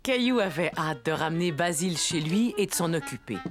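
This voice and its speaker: A woman's voice: on the low side, animated, brisk. A woman narrating a scripted children's story. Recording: music under the voice.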